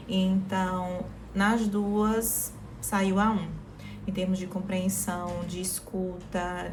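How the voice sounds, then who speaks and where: A woman from Brazil in her thirties talking casually in a vlog. She explains things in a relaxed way, with many fillers and restarts. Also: mid-range voice, a little hiss or hum. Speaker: vlogger.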